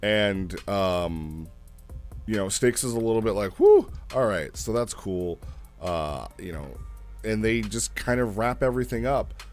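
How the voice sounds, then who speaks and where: A man giving casual, unscripted commentary as a review host, talking in a rambling, animated way. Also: lowish voice, unhurried, soft background music. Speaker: host reviewing a text role-play log.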